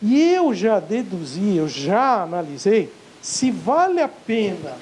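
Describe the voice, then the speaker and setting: High-voiced Brazilian man lecturing. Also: big pitch swings, slow, a little mellow, slightly rough, poor audio. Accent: Brazilian Portuguese. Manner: emphatic, repeats key words, acts out dialogues. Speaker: sales coach giving a lecture. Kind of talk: live motivational lecture. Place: lecture hall with a live audience.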